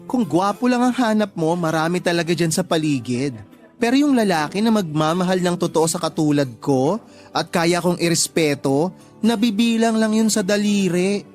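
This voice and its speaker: An actor playing a sassy, lovestruck young gay person in a Tagalog radio drama, with campy, expressive delivery. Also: male voice, sits high, moderate pace. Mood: smitten, proud. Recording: music bed behind the voice.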